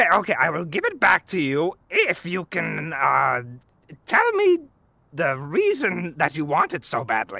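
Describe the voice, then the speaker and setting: The speaker uses a put-on character voice at a middle pitch. The sound is raspy. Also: fairly slow pace. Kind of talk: comic improv impression. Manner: condescending, theatrical.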